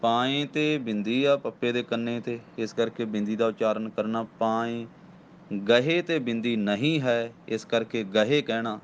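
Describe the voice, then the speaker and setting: A man's voice: mid-range voice, a little hiss or hum. A man with a Punjabi accent teaching scripture recitation line by line, patiently correcting pronunciation and demonstrating each phrase. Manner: patient, corrects word by word, slow chanted demonstration. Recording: dull lo-fi recording with faint ambience.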